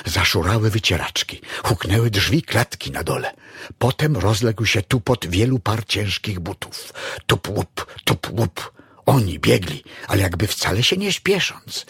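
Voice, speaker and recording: Husky, expressive male storyteller. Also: on the low side, dry recording, studio quality. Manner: dramatic, expressive reading. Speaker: narrator. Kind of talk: audiobook story narration.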